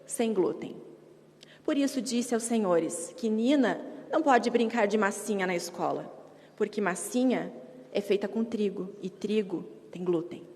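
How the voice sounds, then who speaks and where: A woman's voice: mid-range voice, darkish tone. A woman gives a formal advocacy speech to a council, emphatic and rhetorical, in short repeated phrases. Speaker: advocate addressing city council. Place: council chamber. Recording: echoey hall reverb.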